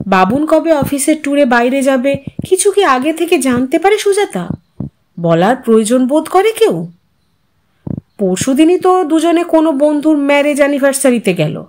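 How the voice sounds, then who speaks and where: A woman narrates an audio story in a fairly high voice. Her pitch moves freely as she reads, giving the literary prose a dramatized, musing feel. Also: a little mellow, a little hiss or hum. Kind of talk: expressive scripted story narration.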